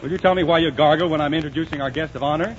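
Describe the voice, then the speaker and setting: A man hosting a 1930s radio comedy show, with brisk, wisecracking emcee patter. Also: fairly high pitch, highs cut off. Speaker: host. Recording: scratchy 1930s radio broadcast with hiss.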